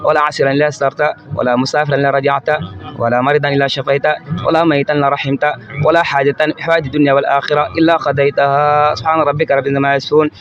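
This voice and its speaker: A man's voice: a little high, little pitch movement, very fast, a bit bright. A man leading an Islamic supplication, reciting formulaic parallel phrases in a rhythmic litany. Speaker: prayer leader. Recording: dull lo-fi recording.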